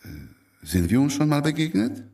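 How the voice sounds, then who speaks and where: An actor playing a mild, courteous Polish Jewish doctor in a radio drama, speaking hesitantly and politely. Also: male voice, on the high side, very animated, normal speed, vocal fry, dark tone, far from the mic. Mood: flustered.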